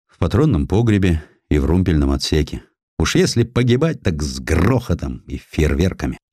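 A man's voice: rumbling low, very animated, fairly quick, mellow, no room sound, clean studio sound, heavily acted. A man playing a proud, defiant Russian destroyer commander, firm and formal, in an audiobook. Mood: grim resolve.

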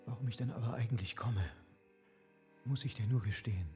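Man acting a hushed, playful, amorous husband. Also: medium pitch, brisk, music in the background, natural voice. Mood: teasing, hushed. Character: playful amorous husband visiting his wife at night. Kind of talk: German literary radio play acting.

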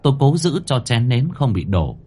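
A man's voice: mid-range voice, sing-song, moderate pace, darkish tone, slightly rough. A man narrating a horror story in a dramatic, suspenseful manner. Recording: faint music bed under the voice.

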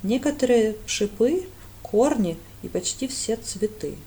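A woman's voice: fairly high pitch, animated, a little slow, mellow. A woman voicing a cold, curt male priest with a clipped, dry manner.

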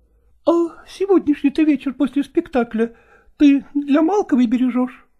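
A man's voice: very high voice, normal speed, mellow, highs cut off, voice pushed up. A man reading aloud, voicing a young actress who pleads tearfully and passionately with her lover. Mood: eager.

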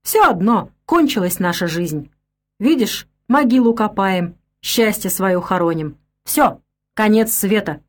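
A woman reading an audiobook, voicing a coarse, bitter, drunk male peasant laborer with rough country speech. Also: medium pitch, lively intonation, unhurried.

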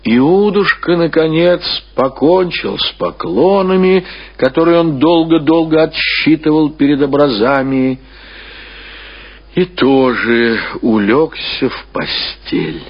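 Male narrator for literary radio reading; husky, slow, expressive phrasing, slightly muffled vintage sound. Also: fairly high pitch. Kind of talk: scripted dramatic literary narration. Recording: dull old radio recording.

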